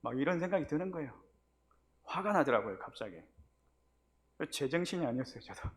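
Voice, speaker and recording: Male pastor, middle-aged, slightly higher voice, sermon storytelling with acted-out lines. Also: animated, brisk. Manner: storytelling, acting out his own scolding voice.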